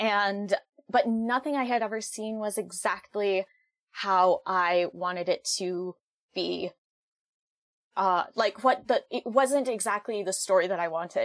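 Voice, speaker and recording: A woman's medium-pitched voice with an American accent, at a fairly slow pace with long, frequent pauses, ordinary pitch variation, and a dry, close sound with no echo. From US Northeast (Western Massachusetts). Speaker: fantasy author. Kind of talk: interview. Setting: video call.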